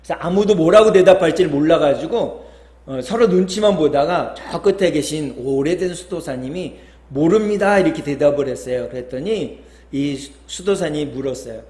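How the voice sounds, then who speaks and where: Male pastor, sermon storyteller, slightly high voice, echoey church sound. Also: normal speed. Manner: animated storyteller, acts out quoted lines with higher pitch.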